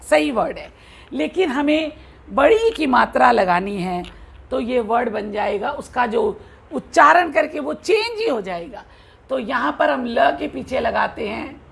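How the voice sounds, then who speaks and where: A woman's voice: high voice, gravelly, breathy edge. A woman teaching a Hindi lesson to children, patiently drawing out and repeating each sound as she demonstrates.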